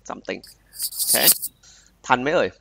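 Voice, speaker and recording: A young man from Thailand tutoring a student live online. He reads the passage aloud slowly, then explains it in quick, chatty talk. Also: noisy background. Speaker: IELTS tutor. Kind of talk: live online tutoring, Thai mixed with English. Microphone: online call mic.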